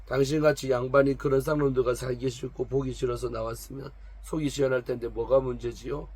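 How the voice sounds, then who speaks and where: A man reading aloud the questions of a pastor's wife counseling a troubled woman, pointed and calm. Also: medium pitch, brisk, slightly rough, natural voice. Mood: probing.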